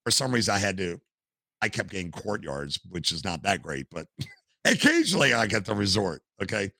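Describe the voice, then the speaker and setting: A retiree from the States holds forth as a podcast guest, all anecdotes and asides. His voice sits low with a gravelly edge and a bright, forceful bite. The sound is close and dry, with no room around it. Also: moderate pace, no echo. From United States. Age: older. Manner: animated anecdotal storyteller. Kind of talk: casual storytelling interview. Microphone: headset.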